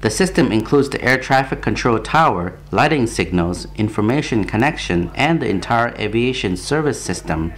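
A man's voice: medium pitch, lively intonation, normal speed, hardly any pauses, a bit bright. A man reading scripted television news narration as a presenter.

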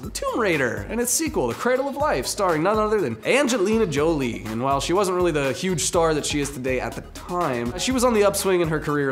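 A young man in his twenties co-hosting a casual web show in a studio, animated and joking, with sudden loud bursts. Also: medium pitch. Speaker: co-host. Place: studio set with branded backdrop.

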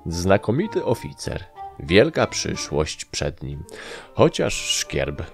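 A man's voice: sits low, very animated, slow, creaky, soft background music, heavily acted. Man doing a weary army captain. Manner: weary, sighing reproach. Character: tired, weary middle-aged army captain.

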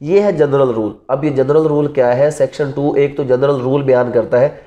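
A man's voice: mid-range voice, fairly even intonation, normal speed, mellow, muffled recording. A man in his thirties with a Pakistani accent teaches a class, posing rhetorical questions and repeating key terms. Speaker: law teacher. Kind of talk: classroom lecture mixing Urdu and English terms. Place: indoors in front of a classroom whiteboard.

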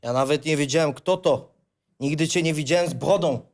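A male actor plays a wary, heavyset man in his forties for a radio play. His voice sits a little high for a man. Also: brisk, close to an everyday voice. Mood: wary, gruff. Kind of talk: script reading for audio drama.

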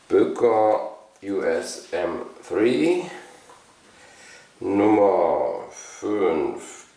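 A man presenting a collection as a channel host, unscripted and casual, haltingly thinking aloud. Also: low voice, creaky, mellow. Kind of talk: casual product showcase, unscripted. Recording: roomy echo, distant microphone.

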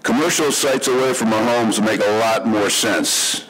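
A middle-aged man, president of a homeowners group, reading prepared public comments at a podium in a meeting room. He speaks earnestly and haltingly, with many fillers. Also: fairly low pitch, fairly bright tone, slightly rough, poor audio. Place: indoor township meeting room. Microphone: podium microphone.

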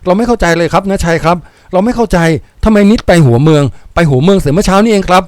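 A man's voice: a little high, very animated, moderate pace, a little mellow, no room sound, clean studio sound. A man voicing an anxious, lovesick young prince in a storybook reading, speaking in a fretful, pleading way.

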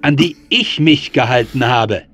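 A man's voice: mid-range voice, unhurried, fairly bright tone, muffled recording, lightly acted. Actor as a menacing, bitter man seeking revenge. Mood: bitter, sardonic. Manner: menacing, sardonic, controlled. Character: vengeful, bitter man holding a family at gunpoint. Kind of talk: German audio drama acting.

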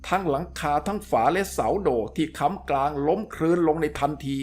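A man reading a serialized adventure novel aloud as a storyteller, in steady, measured narration. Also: on the high side.

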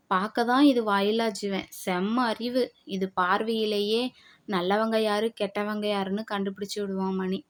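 A woman's voice: mid-range voice, fairly bright tone, lightly acted. A woman voicing a lonely, kindly elderly village grandmother who fusses and scolds in a motherly, chatty way.

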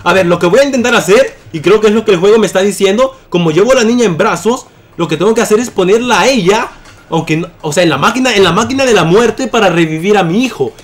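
A young man giving gameplay commentary, excitable and shouting at enemies in bursts. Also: high-pitched, fast talker. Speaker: gaming YouTuber.

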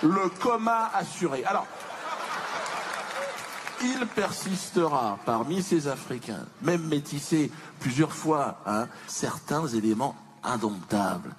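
Man doing a pompous, wildly animated stand-up slave-owner character. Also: on the high side, slow, crowd noise. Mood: smug. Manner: theatrical, indignant, mock-dignified, swinging to shrieked protests. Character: self-pitying, pompous slave owner from the colonial past. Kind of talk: punchy stand-up comedy character monologue. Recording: noisy live theatre stage recording.

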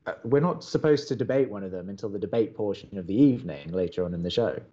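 An actor playing a young, wordy and opinionated college radio co-host in an audio drama, talking in halting conversational bursts. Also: male voice, on the low side, animated, dark tone, dull audio. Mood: reluctant, exasperated. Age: young adult. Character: earnest, exasperated young male college radio co-host, a theatre buff.

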